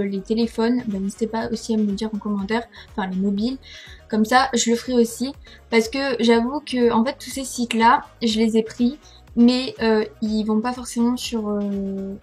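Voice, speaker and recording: A woman's voice: on the high side, darkish tone, husky. A young woman with a French accent casually walking viewers through websites on her screen, hesitant and full of fillers, laughing at herself. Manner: chatty, hesitant, many fillers and self-corrections. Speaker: vlogger. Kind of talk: casual screen-recording tutorial. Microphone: headset.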